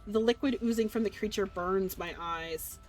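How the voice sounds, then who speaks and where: A woman's voice: mid-range voice, normal speed, soft background music. Woman streamer reading a game aloud. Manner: dramatic first-person narration, giggly asides. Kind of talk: reading a visual novel aloud with commentary.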